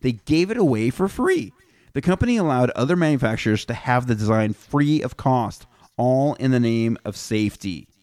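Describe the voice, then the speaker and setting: A man from Canada hosting a casual comedic podcast, deadpan, trading crude jokes and reading facts aloud. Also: medium pitch, normal speed, dry recording. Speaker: podcast host.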